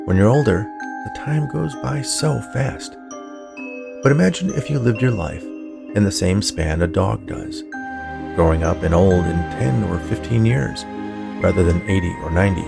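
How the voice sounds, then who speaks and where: A man's voice: on the low side, moderate pace, gravelly, music in the background. A man hosting his fiction podcast, reading scripted introductions and stories in an audiobook style. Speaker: podcast host, writer and narrator.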